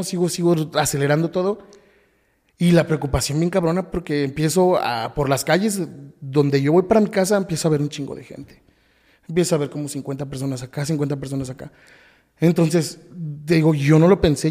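A man with a Mexican Spanish accent appears as a podcast guest, recounting a painful personal story in halting speech full of restarts and repetitions. His voice is a little high and warm, and the sound is that of a big room.

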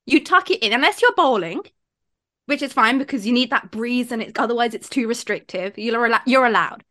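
A woman's voice: fairly high pitch, animated, a little fast, bright, forceful tone. A woman from India co-hosting a casual sports podcast, talking in a gushing, emphatic way. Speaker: podcast co-host.

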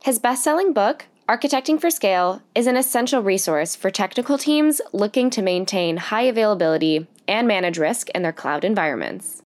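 A woman reading the show's scripted introduction in an even, read-aloud delivery. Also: medium pitch, fairly quick, few pauses. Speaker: show announcer.

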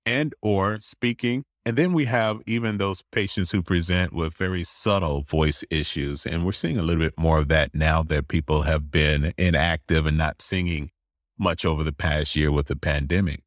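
A man who specializes in voice disorders, answering interview questions in a measured, explanatory way and now and then acting out what patients say. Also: very deep voice, fairly even intonation, no room sound, clean studio sound. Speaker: voice specialist clinician.

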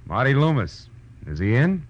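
An actor playing a wry, hard-boiled private detective in a 1940s radio drama, dry, laconic and unflappable. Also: male voice, medium pitch, sing-song, moderate pace. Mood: cool wisecracking. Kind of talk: 1940s radio acting, noir first-person narration and dialogue. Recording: dull old radio recording with music.

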